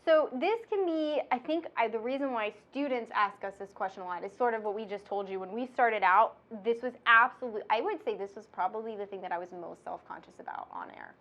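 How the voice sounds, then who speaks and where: A woman's voice: a little high, brisk, hardly any pauses, fairly bright tone, lo-fi sound. A woman with a nasal voice, hosting and teaching in a bubbly, chatty way. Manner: bubbly, chatty, laughs often. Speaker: instructor and podcast host. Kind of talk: casual instructional chat.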